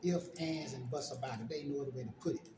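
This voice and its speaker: African american dude, easygoing, clears throat a lot, roomy phone sound with noise. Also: male voice, mid-range voice, very fast. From United States. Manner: relaxed, informal, clears throat often. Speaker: host. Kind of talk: casual conversation.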